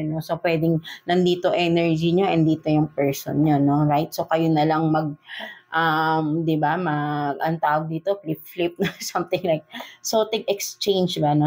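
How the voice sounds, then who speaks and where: Slow, low-voiced Filipino woman reading tarot. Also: a little mellow. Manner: chatty, slow, filler-heavy Taglish with frequent "no?" and "right?" tags. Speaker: tarot reader.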